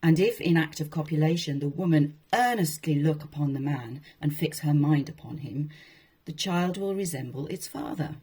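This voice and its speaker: A woman's voice: sits low, expressive, normal speed, dark tone, husky. A woman speaking informally as she presents and reads from old texts, in a conversational, wryly amused manner. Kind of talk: informal talk with read-aloud passages from a historical book.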